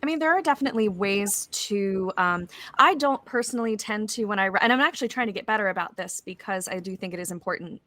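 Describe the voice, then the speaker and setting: A woman's voice: mid-range voice, animated, fast, bright, forceful tone, no echo. A woman talking casually and chattily on a panel as a writer and voice actor.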